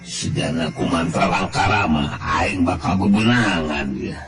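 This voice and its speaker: An arrogant folktale warrior villain with a Sundanese accent, acted out by a male storyteller. He broods and boasts coarsely in a low, drawn-out voice over loud music. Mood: frustrated, brooding. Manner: groaning, muttered inner monologue and boastful threats.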